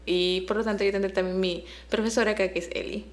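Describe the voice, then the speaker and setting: A woman's voice: mid-range voice, fairly even intonation, fast talker. A young woman whose first language is Spanish, co-hosting a podcast in a chatty, teasing way. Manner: chatty and teasing, laughs often. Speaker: podcast co-host. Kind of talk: casual chat.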